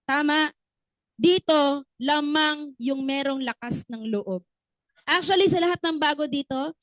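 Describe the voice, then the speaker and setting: A woman's voice: high voice, no room sound, poor audio. A woman giving a motivational business training talk, often asking the audience questions and acting out little stories.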